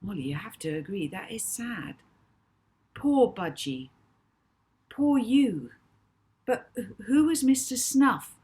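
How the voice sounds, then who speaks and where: A woman's voice: on the high side, sing-song, takes it slowly, long pauses, warm tone, pitched above the performer's own voice. A woman voicing a kind, curious boy who speaks eagerly and sometimes in a whisper. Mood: earnest.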